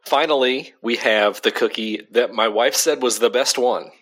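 Bright husky-voiced man chatting casually. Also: mid-range voice, moderate pace. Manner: chatty, laughs easily, frequent "like" fillers. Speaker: podcast co-host. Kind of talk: casual chat.

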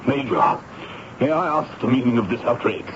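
A man's voice: mid-range voice, expressive, normal speed, natural voice. A man as a self-important clergyman in a 1970s radio drama. He is pompous and outraged, in a medium register. The recording is muffled, with faint noise. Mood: indignant. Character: indignant, self-important reverend.

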